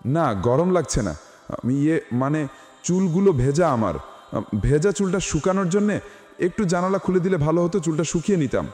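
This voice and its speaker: A man's voice: on the high side, animated, moderate pace, a little mellow, lightly acted. A man voicing a young woman in a storybook, pleading and protesting in a sulky way. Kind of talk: storybook character voice. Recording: reverberant with music behind.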